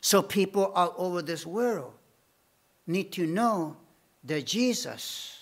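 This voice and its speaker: Slow, high-voiced preacher. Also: male voice, expressive. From Bolivia. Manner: slow, emphatic preaching with repeated phrases. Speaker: missionary preacher. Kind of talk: sermon.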